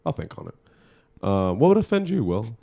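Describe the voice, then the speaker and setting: A man's voice: mid-range voice, big pitch swings, normal speed, vocal fry, dark tone. A man co-hosting a casual podcast, asking blunt, short questions. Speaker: podcast co-host. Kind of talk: casual banter over drinks.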